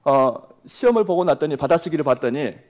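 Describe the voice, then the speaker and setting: A man in his forties from Jeolla, preaching a sermon as pastor with lively storytelling that swings between loud and hushed. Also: a little high, brisk. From Jeolla, South Korea.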